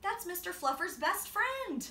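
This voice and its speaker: A woman's voice: extremely high pitch, big pitch swings, measured pace, pushed and bright, far from the mic, voice pushed up, exaggerated voice. A woman voicing a dramatic little boy who pleads and bargains, as in a children's storybook. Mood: indignant. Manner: protesting, bargaining, theatrical. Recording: roomy, off-mic, faint noise.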